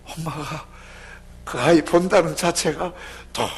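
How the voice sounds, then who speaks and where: A man preaching a sermon as a pastor, telling a story with emotion and swinging between loud outbursts and hushed whispers. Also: on the high side, a little slow, slight background noise.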